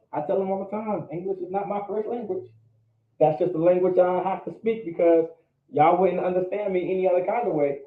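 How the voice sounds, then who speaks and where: A man teaching a language class, often checking in with "all right?" and pressing his points. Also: sits high. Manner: repeats "all right?" to check understanding, emphatic. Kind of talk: classroom lecture. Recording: echoey room, phone-like audio.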